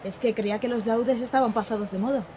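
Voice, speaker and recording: A woman's voice: a little high, fast, a crowd in the background, natural voice. An actress in her twenties playing a naive, eager young woman reporter in a radio drama. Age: 20s.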